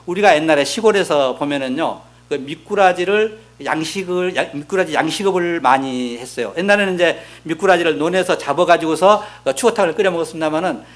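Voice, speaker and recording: Middle-aged pastor guy preaching, pretty high voice, asks the congregation questions. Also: a little fast, hardly any pauses, fairly bright tone. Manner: explains with rhetorical questions to the congregation; reads scripture aloud, voicing the prophets' complaints. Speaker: senior pastor. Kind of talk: sermon.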